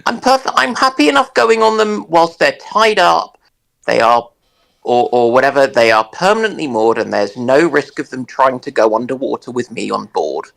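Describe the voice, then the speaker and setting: A man's voice: mid-range voice, lively intonation, moderate pace, creaky, fairly bright tone, poor audio. A man on a casual discussion panel, talking hesitantly and piecing his sentences together in short fragments.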